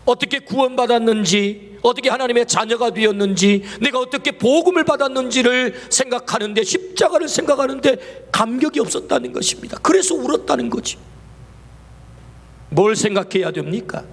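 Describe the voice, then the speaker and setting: High-voiced male pastor preaching. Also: lively intonation, brisk. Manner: asks the congregation many rhetorical questions. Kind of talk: sermon. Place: church sanctuary. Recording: long church hall reverb.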